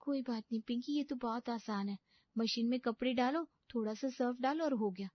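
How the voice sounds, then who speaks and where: A woman voicing a clueless, pampered young bride who speaks softly and nervously in a cartoon. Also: a little high, moderate pace, dry recording, voice pushed up, lightly acted. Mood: naive. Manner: nervous, naive, soft. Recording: dull lo-fi dry recording.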